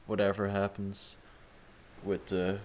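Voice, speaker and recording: A man's voice: sits low, monotone, takes it slowly, slight background noise. A young man hosting an improvised chat, rambling with fillers and restarts and swearing casually. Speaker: host.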